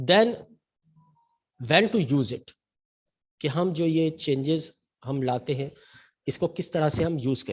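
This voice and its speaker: The voice has ordinary pitch variation. Long pauses come often. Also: man, fairly high pitch for a man. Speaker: pharmacy college academic head giving training. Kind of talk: online training lecture. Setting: online session. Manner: mixes Hindi and English with fillers.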